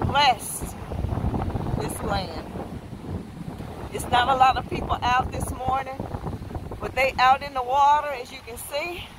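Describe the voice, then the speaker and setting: Amid noticeable background noise, a woman speaks fairly slowly with ordinary pitch variation, and the sound is dry with no echo. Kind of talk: casual vlog chat. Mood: cheerful, appreciative. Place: beach. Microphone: phone near.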